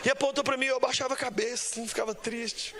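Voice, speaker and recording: High-voiced, bright Brazilian pastor preaching. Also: male voice, fairly even intonation, quick pace, slight background noise. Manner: storytelling with big swings in pitch, mimicking voices. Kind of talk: sermon.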